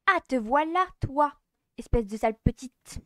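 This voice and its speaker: A woman's voice: a little high, steady tone, a little fast, dry recording, lightly acted. A haughty teenage girl snaps and threatens in a raised, biting voice. A woman puts her on. The voice sounds close and dry. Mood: angry. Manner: sharp, scolding, threatening. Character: spiteful, bossy teenage schoolgirl rival.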